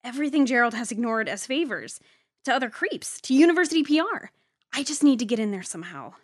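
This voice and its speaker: A woman's voice: on the high side, animated, fast, no echo, studio quality. A woman playing a defiant, scheming, foul-mouthed activist in an audio drama, wry and emphatic. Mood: determined, wry.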